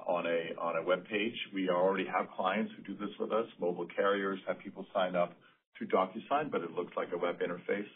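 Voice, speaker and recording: A deep-voiced man speaks through a narrowband phone connection. He answers as a company executive, explaining things in considered, unscripted phrases. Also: slight background noise. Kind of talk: spontaneous answer on earnings call. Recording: narrowband, radio-like phone line.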